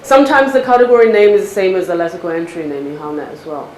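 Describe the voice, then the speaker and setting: A woman with a Cantonese accent answers technical questions in a lecture hall. Her replies are quick and direct, and she explains with examples. The room is echoey, with a faint hum underneath. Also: fairly low pitch, fairly even intonation, darkish tone. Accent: Cantonese-accented English. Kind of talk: academic Q&A after a talk.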